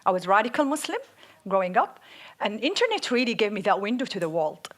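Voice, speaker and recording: A woman with an Arabic accent, co-hosting a live podcast on stage, speaking in an energetic, outspoken way and laughing often. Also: mid-range voice, brisk. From Saudi Arabia. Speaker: podcast co-host. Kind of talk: live podcast panel talk.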